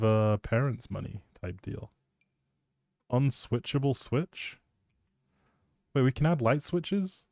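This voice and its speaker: Male game streamer, mellow dark tone, informal rambling delivery, recorded dry and close on mic. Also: mid-range voice, no room sound. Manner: informal, thinking out loud. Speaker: live streamer.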